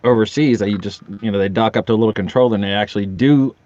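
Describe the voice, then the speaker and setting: A man's voice: on the low side, quick pace, darkish tone, muffled recording. A middle-aged man chatting casually as a podcast guest, with a joking, salty, irreverent manner. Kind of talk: casual chat.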